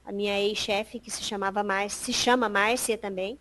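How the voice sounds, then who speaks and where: A middle-aged Brazilian woman from Piauí with a Piauí accent, telling her life story as a podcast guest, lively and acting out dialogue with laughter. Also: mid-range voice, moderate pace, slight background noise. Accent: Piauí Brazilian Portuguese. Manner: animated, acts out quoted dialogue, laughs often. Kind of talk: casual storytelling interview.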